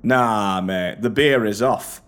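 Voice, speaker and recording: A man's voice: fairly low pitch, fairly bright tone, smooth, soft background music. A man voicing an arrogant, short-tempered laborer with a boisterous, cocky manner. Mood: angry. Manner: cocky, boisterous, quick to anger.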